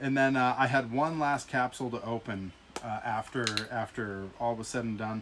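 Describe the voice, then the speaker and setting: A man at medium pitch and moderate pace, with noticeable background noise. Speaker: pro wrestler and streamer. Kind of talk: casual livestream chat. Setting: livestream.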